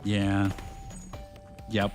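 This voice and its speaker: A man's voice: lowish voice, completely flat delivery, drawn-out words, a little mellow, faint music behind. A man live-streaming a video game, chatting casually with his viewers, joking and laughing often as he reads their messages aloud. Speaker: gaming streamer.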